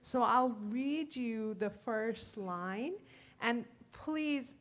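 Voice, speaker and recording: A woman's voice: on the high side, lively intonation, very slow, fairly bright tone. A woman from India, introducing a hymn at a worship service in a hesitant way, not used to speaking in public. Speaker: congregation member introducing a hymn. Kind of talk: informal talk at a worship service. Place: church sanctuary.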